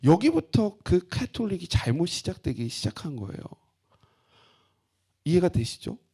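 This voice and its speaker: A man's voice: high voice, very animated, normal speed, mellow, slightly rough. A middle-aged man preaching a Bible sermon, asking the congregation questions and acting out the disciples' lines in blunt everyday speech. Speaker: pastor.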